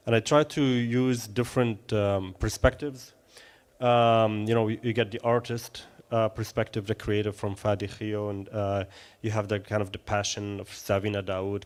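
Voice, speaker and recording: A man's voice: fairly low pitch, a little mellow, clean tone. A man from Syria in his thirties, a filmmaker guest answering questions in a live interview, hesitant with many fillers and restarts.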